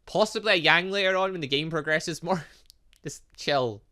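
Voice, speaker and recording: A person giving casual let's play commentary on a game, rambling and thinking out loud as they go. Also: mid-range voice, normal speed. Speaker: gaming video host.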